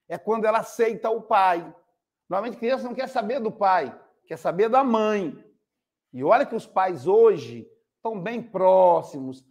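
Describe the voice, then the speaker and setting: An older man with a Brazilian Portuguese accent giving a spiritist talk, telling stories and acting out the people in them. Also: sits high. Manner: storytelling with acted quotes. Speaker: spiritist speaker.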